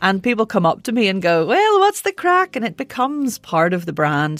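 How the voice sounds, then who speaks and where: A woman speaks with a Northern Irish accent. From Northern Ireland. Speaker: voice coach. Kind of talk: tutorial. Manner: casual, chatty.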